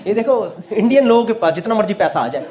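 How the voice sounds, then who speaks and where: A man's voice: high voice, animated, fast. A male stand-up comedian doing teasing crowd work, switching between Hindi and English. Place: live comedy venue with laughing audience. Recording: loud crowd and noise from a live show.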